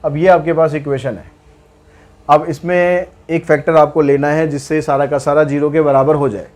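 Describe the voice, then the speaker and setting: A man's voice: fairly high pitch, flat delivery, normal speed, a little mellow. A male math teacher giving a casual blackboard lesson, teasing his students and stepping through the working one step at a time.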